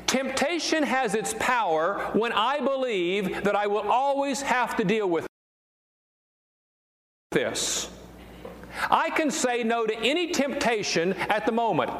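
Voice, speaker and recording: A man's voice: sits high, fairly bright tone, slight background noise. Older man preaching in an echoey hall. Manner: earnest, emphatic, repeats key phrases. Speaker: pastor. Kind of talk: sermon. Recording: echoey hall reverb, faint ambience.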